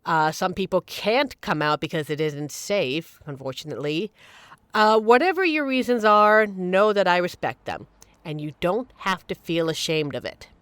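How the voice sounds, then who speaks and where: Woman playing a supportive, animated young female friend. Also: lowish voice, normal speed, clear, resonant tone, no echo. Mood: gentle, reassuring. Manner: earnest, casual, reassuring with playful exaggeration. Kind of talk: audio roleplay, conversational monologue to listener.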